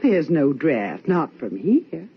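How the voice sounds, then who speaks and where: An anxious, fussing housekeeper, her husky voice swinging up and down. The sound is dull, like an old radio recording. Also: sits low, big pitch swings, takes it slowly, heavily acted. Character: fussing, devoted housekeeper woman. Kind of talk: 1940s radio acting.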